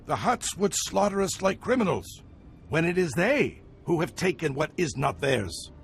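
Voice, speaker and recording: An actor playing a solemn tribal elder who speaks in a measured, persuasive way. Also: male voice, fairly high pitch, sing-song, creaky, slight background noise.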